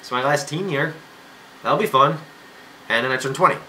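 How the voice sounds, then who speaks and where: A man's voice: medium pitch, normal speed, bright, forceful tone, a little hiss or hum, rough recording. An eighteen-year-old man talking casually to his camera at home, rambling with lots of fillers, restarts and self-mocking jokes. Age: young adult. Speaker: vlogger. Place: home room. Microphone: camera mic.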